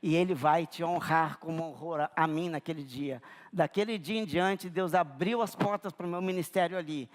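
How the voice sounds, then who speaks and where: A man's voice: a little high, normal speed. A middle-aged Brazilian man with a Brazilian Portuguese accent, preaching a fervent sermon that mixes in personal testimony. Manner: earnest, fervent storytelling with rising emphasis. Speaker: pastor. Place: church sanctuary. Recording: reverberant church hall.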